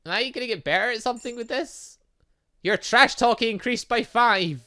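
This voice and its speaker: A man's voice: very high-pitched, moderate pace, sharp tone. A man giving casual let's play commentary on a visual novel, chatting and thinking aloud as he plays and reading bits of game text. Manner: chatty, thinking aloud, muttering asides to himself. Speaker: gaming channel host playing a visual novel.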